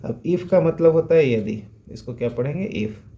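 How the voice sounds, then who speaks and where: A man's voice: a little high, expressive, moderate pace, mellow. A man teaching English reading, patiently repeating sounds and checking in with rhetorical questions. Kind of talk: phonics lesson explained in Hindi.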